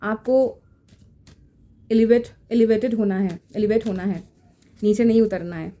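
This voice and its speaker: A woman giving a casual tarot reading in a gentle, reassuring way, slipping into English phrases. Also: medium pitch, steady tone, measured pace. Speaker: tarot reader. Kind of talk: casual spiritual guidance. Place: home room.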